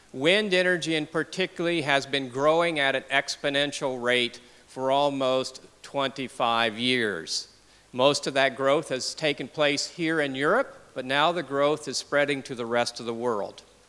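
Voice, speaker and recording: A man talks in an ordinary speaking voice at a fairly slow pace. His pitch is fairly high, with ordinary variation. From United States. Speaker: wind energy expert, conference speaker. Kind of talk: conference talk.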